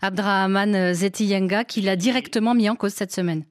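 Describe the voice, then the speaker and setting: A woman hosting a radio call-in show in a dry, close studio sound. She is measured and courteous, thanking callers and framing questions. Her pitch sits in an even middle range. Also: no echo. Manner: measured, courteous, with hesitant fillers. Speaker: radio host.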